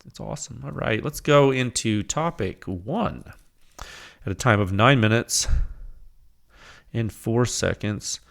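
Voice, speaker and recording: A man's voice: lowish voice, slow, creaky, pauses often, a bit bright. A man hosting his own podcast, talking casually with lots of fillers, enthusiastic, while losing his voice. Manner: casual, filler-heavy, enthusiastic with frequent "you know". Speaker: podcast host. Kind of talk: solo podcast monologue.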